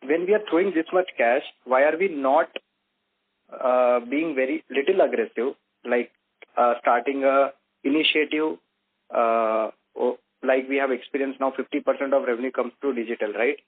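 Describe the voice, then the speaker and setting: A man's voice: mid-range voice, moderate pace. A man, an investor on an earnings call who presses the management with direct questions. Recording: tinny phone line.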